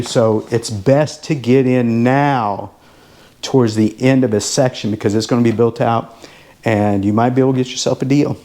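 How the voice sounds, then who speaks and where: A man with a mid-range voice talks as a real estate advisor on a video home tour. His delivery is casual and salesy, addressing the viewer directly as he pitches. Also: a little mellow. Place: inside a model home.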